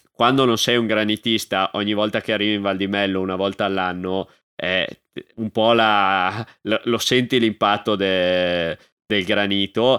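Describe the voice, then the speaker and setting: A man with a fairly low pitch talks fairly slowly in a monotone, flat intonation. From northern Italy, born near Milan. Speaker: podcast host, climber. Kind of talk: casual chat.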